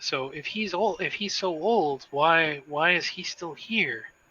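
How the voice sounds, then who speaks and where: A put-on character voice at a fairly slow pace. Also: man, high pitch for a man. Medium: actual play. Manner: hesitant, stammering.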